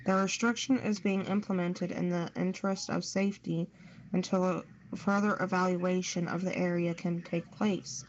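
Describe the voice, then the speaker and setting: A woman co-host reading a news story aloud on a show. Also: lowish voice. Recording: dull, noisy lo-fi stream audio.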